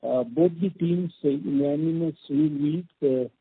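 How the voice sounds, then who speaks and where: A man with an Indian accent giving halting, deliberate answers as a company executive on an earnings call, his voice muffled. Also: on the high side, slight background noise. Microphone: conference call device. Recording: muffled, phone-like conference line.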